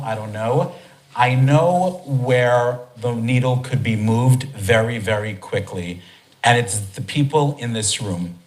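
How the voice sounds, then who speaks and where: An American man hosting a live talk in a conference hall, chatty and energetic, with many restarts. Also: medium pitch. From United States. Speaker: event host and speaker.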